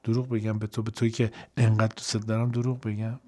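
A man's voice: fairly low pitch, level tone, darkish tone, faint music behind. Man retelling a tale in verse. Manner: affectionate, chatty asides between slow recited lines. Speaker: radio host. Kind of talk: storytelling with recited verse. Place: radio studio.

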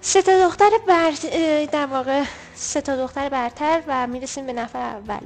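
A woman co-hosting a podcast, reading out poll results in casual chat, brisk and a little teasing. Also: high-pitched, a little mellow, soft background music. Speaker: podcast co-host.

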